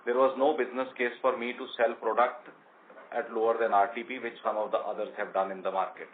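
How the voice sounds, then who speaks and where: Indian guy, company exec on a conference call, halting answers, tinny phone line w/ some noise. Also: mid-range voice, level tone. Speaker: company executive answering analysts.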